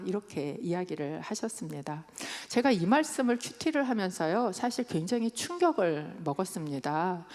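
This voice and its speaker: A woman's voice: mid-range voice, darkish tone. A woman in her fifties, a pastor telling stories in a sermon and raising her voice when she quotes others. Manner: storytelling, quoting with raised voice. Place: church sanctuary. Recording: long hall reverb.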